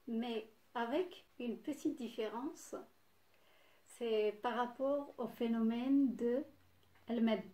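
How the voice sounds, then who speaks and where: Slow, deliberate woman lecturing in an echoey room. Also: on the high side, dark tone. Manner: slow, deliberate, pausing to list examples. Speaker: university lecturer. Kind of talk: recorded phonetics lecture.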